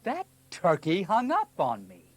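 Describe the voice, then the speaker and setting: An actor playing a blunt, impatient radiology worker in a training-film skit. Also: male voice, high-pitched, wildly swooping pitch, a little slow, no room sound, heavily acted. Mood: exasperated, urgent. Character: gruff, exasperated radiology worker in an emergency. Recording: very noisy old cassette with clicks.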